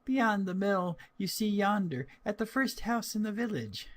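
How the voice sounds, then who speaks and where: A man voicing a small, trusting little girl with a high, sing-song childlike voice in a storybook reading. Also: animated, a little slow. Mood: innocent.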